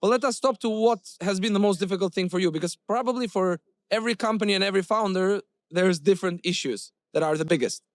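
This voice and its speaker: Podcast host guy, kinda high voice, long winding questions, dead dry room. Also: fast, few pauses, no room sound. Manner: long rambling questions, agreeable. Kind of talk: interview questions.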